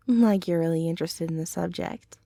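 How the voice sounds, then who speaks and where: Woman playing a caring centaur girlfriend, mellow tone, unhurried, soothing ASMR roleplay, breathy murmurs, close dry sound. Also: lowish voice, no room sound. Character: gentle, caring, teasing female centaur girlfriend, hardworking farmer.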